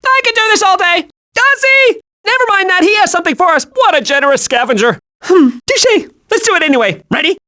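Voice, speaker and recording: A man voicing a childlike, gleeful, hyperactive squirrel in an animated video game, excitable and naively cheerful. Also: extremely high pitch, a little fast, full character voice. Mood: excited.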